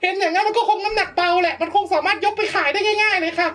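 A woman's voice: very high-pitched, fairly even intonation, racing, fairly bright tone. A young woman streamer giving chatty, polite gameplay commentary, laughing often and reacting with exaggerated dismay. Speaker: VTuber streamer.

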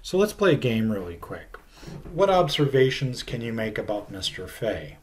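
A middle-aged man teaching a recorded science lecture, explaining slowly and deliberately, with phrase ends that drop off, filmed at a desk by a webcam in a small room with a plain white wall. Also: mid-range voice, expressive.

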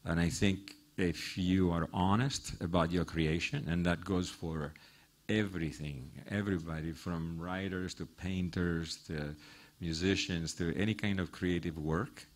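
A man's voice: deep voice, steady tone, unhurried, few pauses. A middle-aged man being interviewed on a small theater stage, speaking earnestly into a handheld microphone before a live audience. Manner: earnest, warm encouragement, laughs easily. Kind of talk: onstage conversation and audience Q&A.

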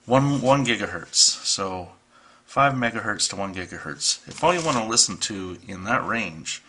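Easygoing middle-aged man with a bright tone. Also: on the low side, normal speed. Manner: relaxed, hesitant with many ums and restarts. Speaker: radio hobbyist demonstrating gear. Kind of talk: casual how-to video. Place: home radio room, at a table.

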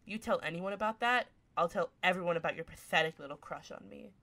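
A woman's voice: on the low side, quick pace, a bit bright. A voice actress playing a grumpy tsundere young woman turned half cat, snappy, sarcastic and easily flustered, in a one-sided ASMR roleplay. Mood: embarrassed, teasing. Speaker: voice actor.

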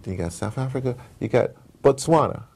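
Guy in an interview going off about politics, super animated, slangy, voice swings all over. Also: medium pitch, a little fast, vocal fry, slightly rough. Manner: animated, emphatic storytelling, acts out dialogue; informal street slang, rhetorical questions. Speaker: interview guest. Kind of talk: passionate conversational political commentary.

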